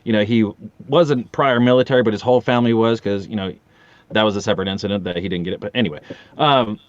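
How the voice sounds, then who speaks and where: A man's voice: lowish voice, quick pace, lo-fi sound. An American man in his fifties telling rambling, joking, sweary stories in a casual podcast chat. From Maryland, USA. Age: 50s. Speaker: podcast guest, voice actor. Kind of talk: comic storytelling in a casual chat.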